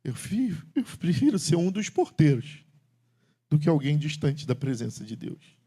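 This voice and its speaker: A middle-aged male pastor preaching in a church sanctuary. His delivery swings widely, rising into loud, emphatic calls and then dropping into low, confiding tones. He speaks directly to the congregation. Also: very animated, a little slow, slightly rough. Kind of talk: sermon.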